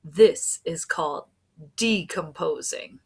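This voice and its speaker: A young woman reading a storybook aloud in an expressive, deliberate, emphatic way, like a teacher. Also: low-pitched, slightly rough. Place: small room at home.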